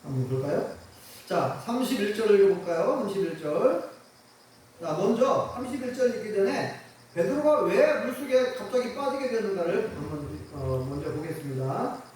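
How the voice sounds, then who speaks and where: A man's voice: high voice, sing-song, moderate pace, a little mellow, slight background noise. A man preaching a sermon as a pastor, telling the story vividly, acting out the quoted voices and putting questions to the congregation. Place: church. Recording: echoey hall, mic far off.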